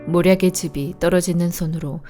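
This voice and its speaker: Low, mellow-voiced woman reading scripture. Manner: calm, measured reading aloud. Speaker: Bible reader. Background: faint instrumental music.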